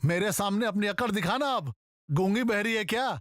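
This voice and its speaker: A man dubbing a boastful comic actor who taunts and brags loudly. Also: sits high, expressive, normal speed, heavy background noise. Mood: swaggering. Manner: bragging, taunting, then wailing for mercy. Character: swaggering, boastful male film actor. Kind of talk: Hindi film dubbing.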